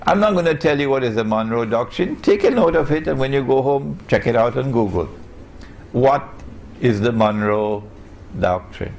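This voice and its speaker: A man's voice: medium pitch, expressive, normal speed, gravelly, a little mellow, a little hiss or hum. A man from Trinidad and Tobago, giving a public lecture in an emphatic way and putting rhetorical questions to his audience.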